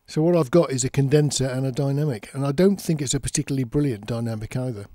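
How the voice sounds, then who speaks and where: A man's voice: mid-range voice, fast talker, warm tone. A man giving a casual explainer as a presenter, talking in a matter-of-fact, conversational way, step by step. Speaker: presenter of an audio gear channel.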